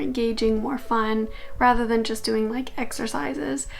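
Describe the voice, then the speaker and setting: With a Canadian accent, a woman speaks at a moderate pace in a high pitch. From Canada. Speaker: physiotherapy student. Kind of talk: casual talk to camera.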